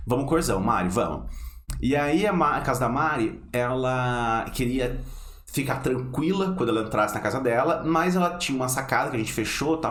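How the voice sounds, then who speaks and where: A man talks in an animated tone with lively intonation, with noticeable background noise and audible room echo. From northern Paraná, Brazil. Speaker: architect. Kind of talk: casual interview chat. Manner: fast.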